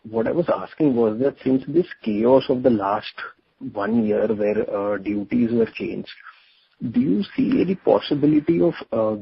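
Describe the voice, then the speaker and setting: A man's voice: medium pitch, creaky, breathy edge. A man calling in to an earnings call with a question, speaking hesitantly. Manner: hesitant, checking if he is heard. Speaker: analyst caller. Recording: muffled quiet phone line.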